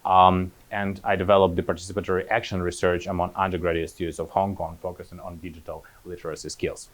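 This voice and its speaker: Lowish-voiced man. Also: level tone, fast. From Kazakhstan. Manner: hesitant, many fillers and restarts. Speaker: postdoctoral researcher presenting. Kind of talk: academic presentation talk.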